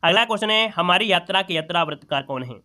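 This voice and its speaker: High bright-voiced man solving exam questions. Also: animated, quick pace. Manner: repeats each question and answer, asks rhetorical questions; addresses listeners as friends. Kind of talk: exam-prep lesson.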